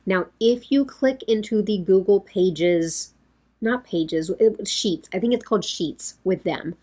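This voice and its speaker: A woman in her thirties, slightly hoarse, chatting casually to camera in a rambling way from her home makeup room. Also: mid-range voice, a little slow, dark tone. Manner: rambling, talks with her hands. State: a bit hoarse, losing her voice. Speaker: beauty vlogger.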